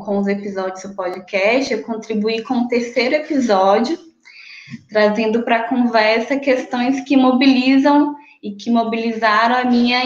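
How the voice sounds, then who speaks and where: Young woman, from Brazil, academic panel talk, fillers and restarts, laptop webcam, echoey room, lo-fi call audio. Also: fairly high pitch. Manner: thoughtful, many fillers and restarts. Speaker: panelist, graduate researcher. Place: small room at home, indoors. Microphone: laptop webcam on video call.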